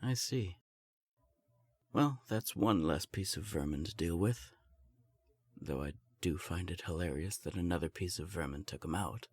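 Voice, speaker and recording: A man playing a formal vampire elder in an audio drama, measured and dryly condescending. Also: low-pitched, darkish tone, a little hiss or hum.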